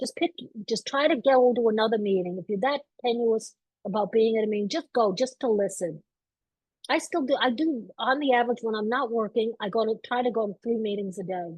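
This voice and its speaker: A woman with a normal speaking voice and a fairly high pitch talks at a fairly quick pace, her pitch varying in an ordinary way. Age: 60s. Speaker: recovering addict sharing at a meeting. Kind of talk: testimony.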